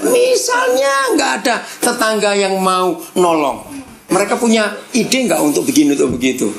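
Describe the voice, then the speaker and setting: Lively woman preacher in an echoey hall. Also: mid-range voice, normal speed, creaky, over a noisy crowd. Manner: lively, teasing, acts out family quarrels with laughs. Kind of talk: sermon to a live congregation. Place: church hall with congregation. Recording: echoey hall with audience responding. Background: congregation answering.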